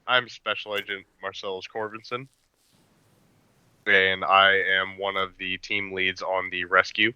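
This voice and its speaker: A very bright, forceful and smooth-voiced government agent played by a man, polite but firm. He speaks in measured, diplomatic phrases for a tabletop game, on a slightly dull recording. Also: low voice, flat delivery, no echo, exaggerated voice. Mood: official, polite.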